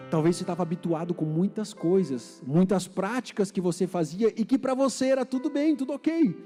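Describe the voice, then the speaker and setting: A man's voice: sits high, mellow, long reverb tail. A man from Paraná, Brazil, with a Paraná Brazilian Portuguese accent, preaching a sermon in a church and putting questions to the congregation. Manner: conversational, asks the congregation questions. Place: church hall.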